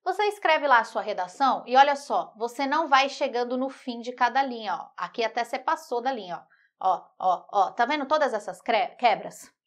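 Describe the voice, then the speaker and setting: A young woman with a fairly high voice gives an online writing lesson. She talks straight to her students in a lively, teasing way and keeps checking that they follow. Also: fairly quick. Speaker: Portuguese writing teacher.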